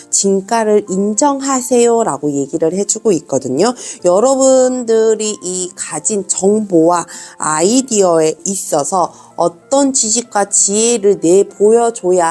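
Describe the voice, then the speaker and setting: Soft-spoken woman giving a tarot reading. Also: medium pitch. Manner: gentle, reassuring, addresses viewers warmly as a group. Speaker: tarot reader. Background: faint background music.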